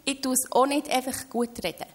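Earnest Swiss woman, fairly high voice. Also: steady tone, a little fast. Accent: Swiss German. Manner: earnest, often opens with "hey". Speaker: guest. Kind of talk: earnest faith-based conversation.

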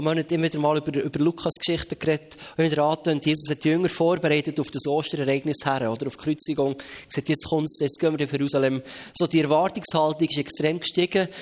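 A man with a Swiss German accent preaching a lively sermon, telling a Bible story and acting out the crowds and bystanders with animated flair. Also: on the high side.

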